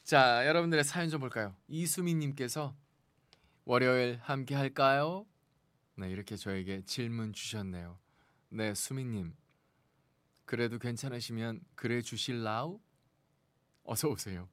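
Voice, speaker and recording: A man running a radio show from the studio chats back warmly to listener messages he reads out, laughing lightly along the way. His mid-range, fairly bright voice is a little slow, with frequent pauses and no echo.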